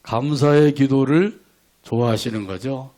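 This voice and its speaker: At a measured pace and in a mellow mid-range voice, a man preaches as pastor, having the congregation repeat scripture after him line by line. He poses rhetorical questions and dramatizes quoted prayers.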